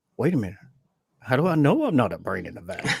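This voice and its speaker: Here a man speaks with an American accent. He moves at a fairly quick pace. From US South, Memphis, Tennessee. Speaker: podcast host. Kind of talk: interview. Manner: casual.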